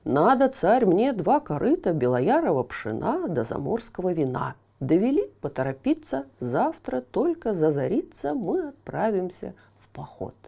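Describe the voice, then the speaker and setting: A woman voicing a simple young peasant lad in a storybook tale, loud, excited and pleading. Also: on the low side, normal speed, creaky, few pauses, exaggerated voice. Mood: pleading defiant.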